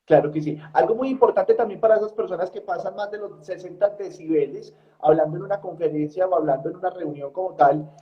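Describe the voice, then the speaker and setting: Brief: high male interviewer, casual musing questions, muffled lo-fi sound. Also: fast talker, hardly any pauses. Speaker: interviewer, presenter.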